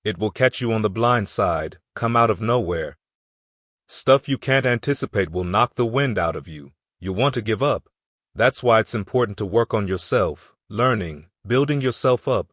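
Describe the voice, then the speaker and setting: Low-voiced man reading a motivational audiobook. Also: fairly bright tone, dry recording, clean studio sound. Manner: earnest, emphatic motivational delivery. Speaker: audiobook narrator.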